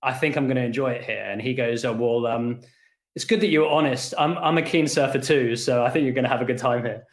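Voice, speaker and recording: A man in his thirties with an English accent mixed with some Australian, telling stories in a relaxed, rambling way as a podcast guest. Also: medium pitch, fast talker. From England. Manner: relaxed, rambling, many fillers and restarts. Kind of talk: casual interview storytelling. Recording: echoey room.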